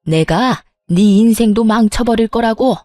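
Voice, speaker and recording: A woman voicing a furious, bullying older mother-in-law who shouts threats. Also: a little high, unhurried, no room sound, clean studio sound, natural voice.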